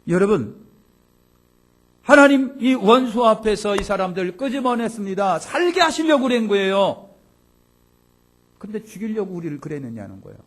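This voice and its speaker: A male pastor delivers a Sunday sermon in a fairly high voice. He preaches emphatically, rising to loud exclamations and sinking to low asides. He acts out the grumbling voices of the people he describes. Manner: acts out complaining voices of the congregation.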